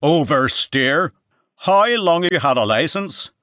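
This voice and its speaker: A man voicing a big, gruff male transport sergeant with a Northern Irish accent, shouting at a young soldier. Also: on the high side, lively intonation, a little slow, dry recording, studio quality, pitched above the performer's own voice. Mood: bellowing. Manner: shouting, coarse.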